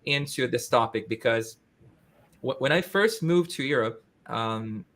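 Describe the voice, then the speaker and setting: A man in his thirties hosts a relaxed interview in English. He talks with lively energy and often restarts his sentences. His pitch sits in a middle range. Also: measured pace. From Brazil. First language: Portuguese. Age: 30s. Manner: animated, many restarts. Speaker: host. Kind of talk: casual interview chat.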